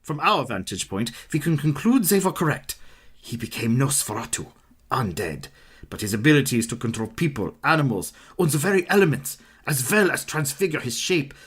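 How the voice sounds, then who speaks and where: An actor playing a learned vampire-hunting professor in a radio play, formal and lecturing. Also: male voice, fairly high pitch, expressive, normal speed, fairly bright tone, breathy edge. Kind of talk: community radio play acting.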